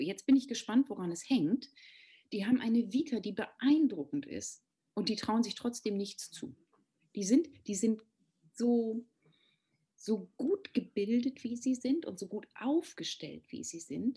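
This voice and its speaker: At a very slow pace with long, frequent pauses, a woman with a fairly high pitch and a dark, mellow tone speaks with big swings in loudness. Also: lively intonation. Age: 40s. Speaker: resilience coach. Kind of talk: interview.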